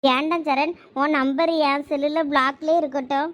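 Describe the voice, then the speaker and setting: A woman voicing a shrill anxious college girl. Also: steady tone, moderate pace, natural voice. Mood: pleading. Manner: pleading, insistent.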